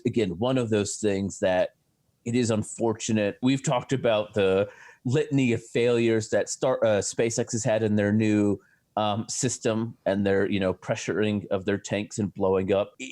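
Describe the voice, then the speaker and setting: A man's voice: lowish voice, moderate pace, darkish tone. An American man co-hosting a science show, explaining in a chatty way with many restarts and fillers. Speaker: astrophysicist co-host. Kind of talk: casual science chat.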